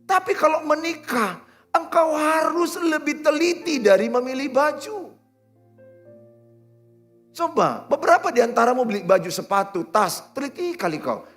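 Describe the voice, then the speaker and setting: A middle-aged man preaching a sermon, swinging between loud exhortations and quiet, low asides. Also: animated, normal speed, soft background music. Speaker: pastor. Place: church hall with congregation.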